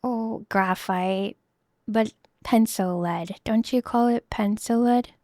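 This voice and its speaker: A woman in her thirties, chatting casually in a soft, rambling way while she draws on stream. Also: on the high side, slow, no room sound, clean studio sound. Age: 30s. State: losing her voice. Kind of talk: casual chat while drawing.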